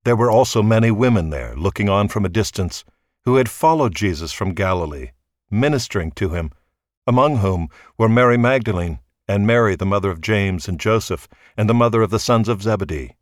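A man with a lowish voice reads scripture aloud, unhurried and solemn. His delivery is measured and steady. The sound is dry, with no room echo. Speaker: scripture reader. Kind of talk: Bible reading.

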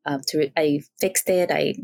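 A woman's voice: low voice, moderate pace, creaky. A woman in her thirties from the Dominican Republic, a podcast guest chatting casually and telling stories with fillers and easy laughs. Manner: relaxed storytelling with fillers and laughs. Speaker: podcast guest, quilter and teacher. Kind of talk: casual interview chat.

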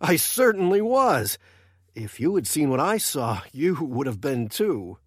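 In a comic radio play, an actor portrays a nervous, deadpan presidential aide who recounts his story with dry quips. His voice is on the high side, husky and a little slow, heavily acted with no echo.

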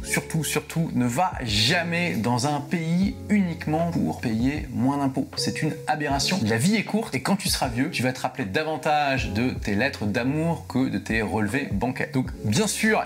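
A man with an average-pitched voice talks straight to the viewer in an informal advice video. He explains emphatically, repeating key words for stress. Music plays clearly behind him. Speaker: presenter, online business adviser.

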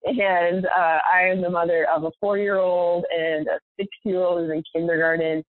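An American woman in her thirties with vocal fry and a slight cold, introducing herself casually on a group call. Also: on the low side, flat delivery, normal speed, no echo. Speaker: pastor, panel guest. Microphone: remote call, close and dry. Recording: dull, lo-fi call audio.

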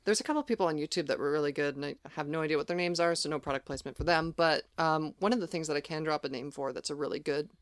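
A woman's voice: sits low, very fast, few pauses, no room sound. Dry, practical trans woman explaining. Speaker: podcast co-host. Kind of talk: casual conversation.

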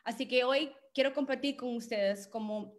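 A woman's voice: a little high, normal speed. A middle-aged woman coach giving a motivational training talk from her home office, speaking Spanish with many English words slipped in. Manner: mixes English words into Spanish, self-deprecating about her Spanish. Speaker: guest speaker and business coach.

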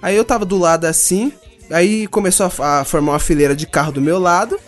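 Over soft background music, a young adult Brazilian man briskly relates an animated anecdote, swearing, using slang, and impersonating the others in the story. His voice sits high.

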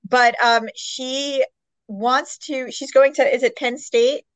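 A woman's voice: high-pitched, fairly even intonation, takes it slowly, fairly bright tone, dry recording, poor audio. A woman hosting a podcast, chatting casually about books in a peppy, enthusiastic, gushing way. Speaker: podcast host. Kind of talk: casual book chat interview.

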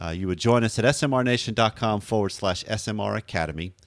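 A man hosting a casual podcast in a relaxed, rambling way, with a deep radio-style voice that sounds a little hoarse. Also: fast, dry recording. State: slightly hoarse. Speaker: podcast host. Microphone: studio microphone.

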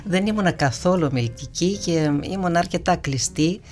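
A woman with a low voice and a slight tremble, raised speaking Russian. She talks in a reflective, unhurried way, trailing off into soft fillers. A faint bed of music sits under her speech. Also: animated. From grew up in Russia. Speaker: guest singer. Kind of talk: relaxed interview conversation.

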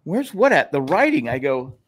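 Older male co-host, casual and rambling, animated pitch, lots of restarts. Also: moderate pace, slightly rough. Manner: rambling, stammering storyteller. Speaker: podcast co-host. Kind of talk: casual chat.

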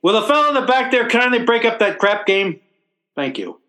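A man playing a blustering, soft-hearted working-class everyman with excitable, colloquial speech in an old-time radio comedy. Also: extremely high pitch, fairly quick, exaggerated voice. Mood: earnest speechmaking.

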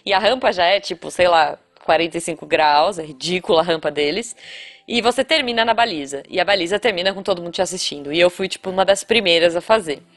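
A Brazilian woman from the São Paulo area, hosting a casual podcast chat and telling a story with lively acted-out quotes. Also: on the low side, quick pace. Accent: Brazilian Portuguese, São Paulo area. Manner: animated storyteller acting out quotes. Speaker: podcast host.

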